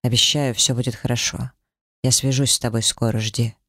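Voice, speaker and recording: A man's voice: mid-range voice, level tone, moderate pace, pushed and bright, no echo, studio quality. A man voicing a protective middle-aged father who speaks steadily and reassures his daughter in an audiobook. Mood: reassuring.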